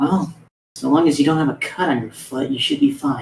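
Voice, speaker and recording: Putting on a raspy character voice, a man talks at a fairly quick pace and a fairly high pitch. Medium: actual play. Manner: matter-of-fact, businesslike.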